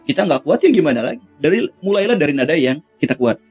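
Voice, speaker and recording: A man's voice: a little high, big pitch swings, fast, breathy edge, phone-quality sound, faint music behind. A young man teaching Quran recitation singing in a casual, friendly lesson, with sung chant demonstrations. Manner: friendly, addresses viewers as friends, breaks into melismatic chant. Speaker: vocal coach for Quran recitation.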